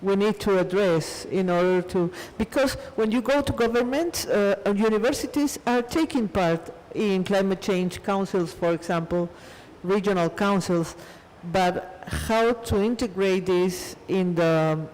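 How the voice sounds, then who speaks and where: A man's voice: high-pitched, measured pace, darkish tone, long reverb tail, rough recording. A man answering on a panel, hesitant and often restarting his phrases.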